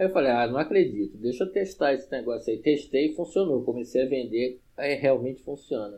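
A man with an ordinary speaking voice talks at a fairly quick pace with hardly any pauses and ordinary pitch variation. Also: medium pitch for a man. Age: 50s. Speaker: LinkedIn trainer. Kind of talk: interview.

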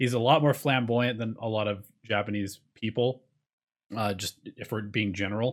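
Fairly even intonation marks a normal speaking voice delivered at a moderate pace. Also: man, medium pitch for a man. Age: 30s. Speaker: gaming podcast host. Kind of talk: casual chat.

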